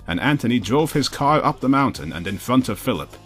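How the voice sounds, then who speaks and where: A man's voice: mid-range voice, big pitch swings, a little fast, a bit bright, soft background music. A man narrating a scripted comic story in broken English, in a solemn, earnest manner.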